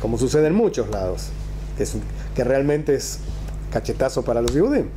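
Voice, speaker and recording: In a small indoor classroom, a rabbi teaches a religious text conversationally, using rhetorical questions and emphatic repetition. His mid-range, warm voice moves fairly quickly with big pitch swings, and there's slight background noise.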